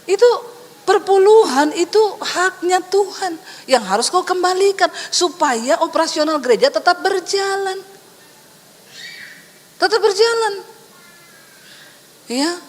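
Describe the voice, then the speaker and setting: A woman pastor preaching an animated sermon, teasing the congregation with rhetorical questions. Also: very high-pitched, a little slow, pauses often. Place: large church hall. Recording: long reverb of a large hall.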